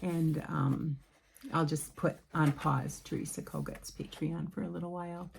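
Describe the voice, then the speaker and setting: A woman's voice: deep voice, steady tone, measured pace, gravelly, noisy background. A middle-aged woman chatting casually at home about her cross-stitch patterns, rambling with many ums and restarts. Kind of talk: casual show-and-tell chat.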